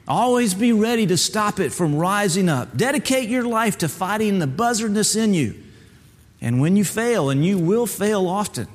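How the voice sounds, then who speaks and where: A stern old male turkey mentor lectures earnestly, laying down rules in a preachy tone, as a man reading aloud puts him on. The voice sits slightly high and echoes with a long reverb, as if in a hall. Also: lively intonation, normal speed.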